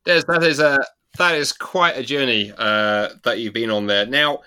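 A man's voice: mid-range voice, moderate pace, bright, forceful tone, clear, resonant tone. A man co-hosting a podcast, easygoing and joking with his co-host. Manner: jokey, easygoing. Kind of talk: casual podcast banter.

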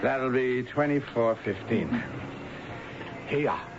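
An actor playing a friendly, courteous bus ticket clerk with a folksy manner in an old-time radio drama. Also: male voice, medium pitch, slow. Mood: helpful. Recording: dull, noisy old radio broadcast.

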